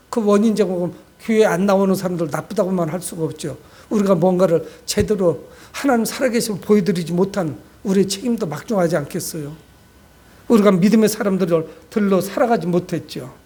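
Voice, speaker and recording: Male pastor, notably high voice, exhortative sermon delivery with rhetorical questions to the congregation. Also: warm tone, breathy edge. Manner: exhortative, addresses listeners often with rhetorical questions.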